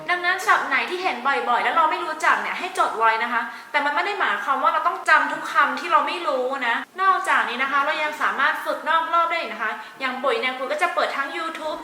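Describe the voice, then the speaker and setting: A young adult woman giving study tips in a casual tutorial vlog, chatty, with frequent soft polite sentence endings. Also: high-pitched. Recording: roomy echo with faint background music.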